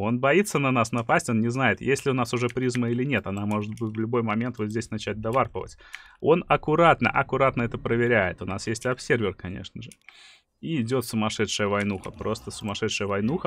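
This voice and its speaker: A man in his thirties narrates a strategy game like a sports commentator, in a mid-pitched voice. He is emphatic and animated, repeating short phrases as he goes. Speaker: gaming streamer. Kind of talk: excited play-by-play game commentary. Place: small dim room indoors.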